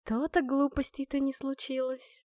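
A woman's voice: high-pitched, completely flat delivery, moderate pace, a little mellow, no echo, clean studio sound, pitched above the performer's own voice, close to an everyday voice. A woman doing a teasing middle-aged mother.

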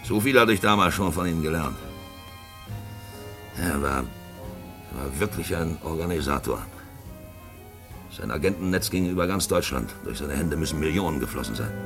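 An actor in a German radio play playing a shady, boastful, sentimental black-market profiteer, expressive and swinging between musing and outbursts. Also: male voice, very deep voice, moderate pace, creaky, pauses often, over music, heavily acted. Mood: reminiscing. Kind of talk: German radio play acting with first-person narration.

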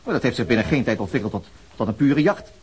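An actor playing a fed-up police investigator in a radio drama, brisk and frustrated. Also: male voice, mid-range voice, lively intonation, darkish tone, natural voice. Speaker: police detective.

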